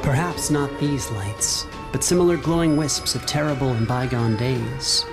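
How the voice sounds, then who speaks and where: A man's voice: medium pitch, unhurried. A man narrating a horror fantasy game as game master, in a solemn, suspenseful, dramatic style. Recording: loud music bed. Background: music.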